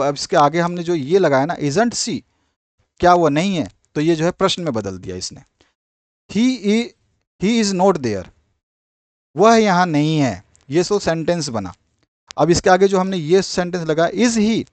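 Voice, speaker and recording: A man teaching an exam-prep lesson in Hindi, reading English definitions out slowly and often repeating small filler phrases. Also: a little high, dry recording.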